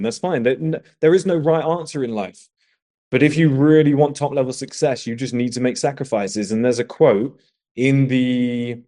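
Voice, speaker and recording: A man's voice: medium pitch, mellow. A man hosting a podcast, giving blunt, emphatic advice and swearing freely.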